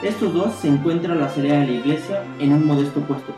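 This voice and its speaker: Narrator for old-time radio drama: Mexican man, theatrical announcing, roomy sound over clear string music. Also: a little high, quick pace.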